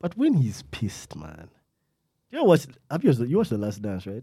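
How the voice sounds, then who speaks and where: A man talks fairly quickly at a medium pitch, with a dark, mellow tone and vocal fry. His pitch swings very widely. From Uganda. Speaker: podcast host. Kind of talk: casual chat. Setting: studio.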